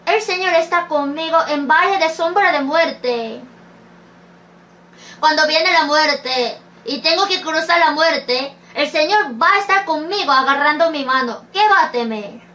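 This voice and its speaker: A woman's voice: sits high, unhurried, bright, forceful tone. A woman preaching a sermon, reading scripture verses aloud and asking rhetorical questions. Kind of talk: slow sermon.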